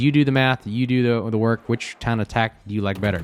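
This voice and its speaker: Over noticeable background noise, a man at medium pitch speaks at a fairly quick pace. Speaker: gaming youtuber. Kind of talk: gameplay commentary. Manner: fast; animated.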